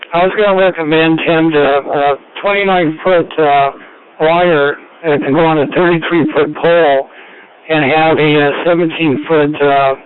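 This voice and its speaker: A man running an amateur radio net over two-way radio, explaining things in a casual, halting way. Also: fairly high pitch, smooth, narrow, tinny audio. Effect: two-way radio transmission. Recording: band-limited two-way radio audio.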